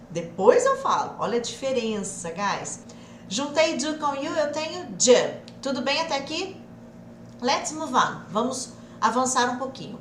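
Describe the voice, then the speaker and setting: A young Brazilian woman teaches English in a live stream, her voice a little high and full of energy. She slows down to drill phrases and pushes the audience to answer aloud. The room is echoey, with a faint hiss behind her. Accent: Brazilian Portuguese. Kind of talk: live online English lesson.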